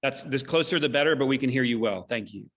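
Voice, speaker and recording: A man hosting an online discussion, speaking in a halting, reflective and appreciative way as he moderates. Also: mid-range voice, a bit bright. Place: online video call.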